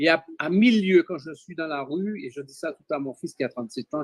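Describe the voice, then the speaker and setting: Speaking in a plain, everyday voice, a man keeps a moderate pace and a fairly high pitch with ordinary pitch variation. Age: 60s. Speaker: interviewee. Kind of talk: interview conversation.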